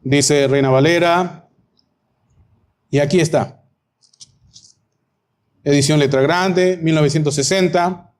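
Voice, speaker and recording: A man's voice: fairly high pitch, fairly even intonation, slow, long pauses. A man preaching a Bible-teaching sermon, emphatic and full of rhetorical questions.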